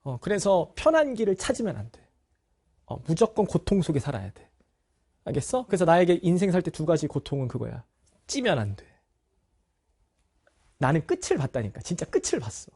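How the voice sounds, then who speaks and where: A man with a husky, mellow voice that sits fairly high for a man and swoops up and down a lot. He is a middle-aged teacher speaking frankly to his students, turning a family story into a lesson and checking in with them as he goes. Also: huge pitch swings, a little fast, pauses often. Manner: candid, personal storytelling, addresses students directly. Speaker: Korean language teacher. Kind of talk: talk to students.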